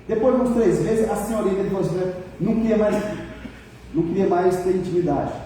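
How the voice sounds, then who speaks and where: A man preaching a sermon as pastor in a church, telling stories in a colloquial, animated way and calling on the congregation for responses. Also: sits high, fast. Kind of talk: sermon with storytelling. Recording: echoey church hall, mic far off, faint noise.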